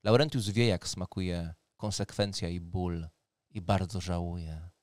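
A man's voice: deep voice, steady tone, a little slow, darkish tone, no room sound. A man working as game master, narrating a tabletop roleplaying game in a dramatic storytelling manner. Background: music.

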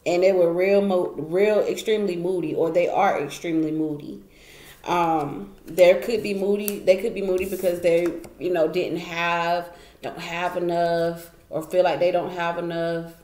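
A woman's voice: on the low side, fairly even intonation, normal speed, dark tone. A woman doing a casual tarot card reading, chatty and emphatic, repeating phrases and laughing often. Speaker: tarot reader. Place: indoor room at a wooden table. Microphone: camera pointed down at the table, speaker off frame. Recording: echoey room, faint noise.

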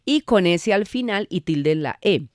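Colombian woman, lowish voice, patient teacher explaining grammar, dry studio sound. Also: animated, moderate pace, a little mellow, no room sound. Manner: patient, didactic, laughs easily. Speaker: spelling teacher guest. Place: radio studio.

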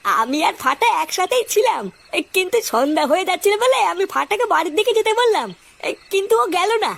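A woman's voice: very high-pitched, big pitch swings, fast, creaky, a bit bright, full character voice. A woman voicing an anxious, whiny young village boy who complains and pleads in a comedy cartoon. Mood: pleading. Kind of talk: amateur comedy cartoon dialogue.

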